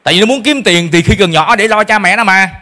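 A man's voice: sits high, fast talker, pushed and bright. A middle-aged man preaching a sermon as pastor, emphatic, acting out parents' complaints in a shifting voice. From Vietnam.

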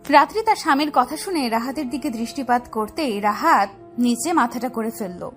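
A woman narrating a scripted family story in a steady, descriptive way. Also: on the high side, normal speed, soft background music.

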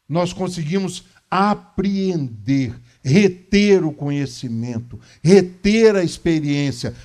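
A man's voice: a little high, darkish tone. A man in his fifties with a Brazilian accent gives a religious lecture, didactic and conversational, repeating key phrases for emphasis. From Minas Gerais, Brazil. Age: 50s. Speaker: lecturer at a Spiritist centre. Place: small meeting room, indoors.

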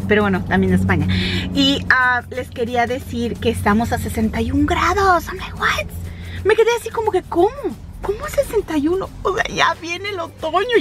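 A woman vlogger in her thirties talks casually and straight to her audience. Her voice sits a little high, and she drops English phrases into her chat. Light music plays faintly underneath. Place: home and car, Michigan.

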